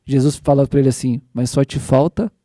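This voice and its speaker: A young man hosting a casual church podcast, excitedly retelling scripture in slangy everyday speech. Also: mid-range voice, brisk, no room sound. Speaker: podcast host.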